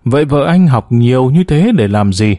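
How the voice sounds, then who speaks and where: A quiet, cautious engineer husband in a spoken story, voiced by a man. He speaks calmly in a warm, dark-toned voice. The recording is dry and close, without any room sound. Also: mid-range voice, normal speed, no echo, close to an everyday voice. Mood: mild.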